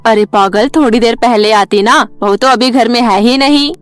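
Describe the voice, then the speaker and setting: A woman's voice: fairly high pitch, moderate pace, no room sound, soft background music, natural voice. A woman voicing a scheming mother-in-law who keeps making excuses, in a cartoon story. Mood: evasive.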